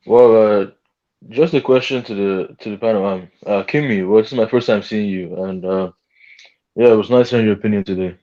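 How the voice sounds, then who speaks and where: A man's voice: lowish voice, a little fast, warm tone. A man chatting casually on a video call, friendly and a little hesitant. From Nigeria. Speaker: panel guest. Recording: lo-fi call audio.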